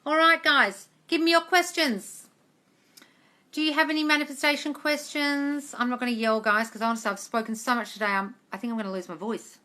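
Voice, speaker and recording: Hosting a live Q&A on a close-up phone mic, this woman in her forties, a manifestation coach, talks brisk and high-pitched with a bright, forceful tone. She stays chatty and informal, addressing listeners as "darling" and "guys," over a little hiss or hum.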